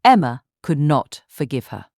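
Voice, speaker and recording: A woman reading scripted literary narration as an audiobook narrator in a measured, articulate way. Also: sits low, big pitch swings. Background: soft instrumental music.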